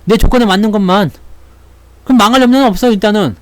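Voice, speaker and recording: A man's voice: high-pitched, fast, slight background noise. A man hosting a stock market channel, talking in a casual, playful way and acting out little voices as he chats. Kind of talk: casual chat.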